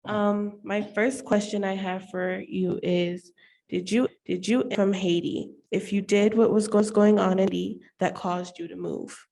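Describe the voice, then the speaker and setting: A woman's voice: medium pitch, steady tone, a little slow, gravelly, warm tone, rough recording. A fifteen-year-old girl, a student interviewer, reading her question a little nervously and stumbling over words. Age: teens.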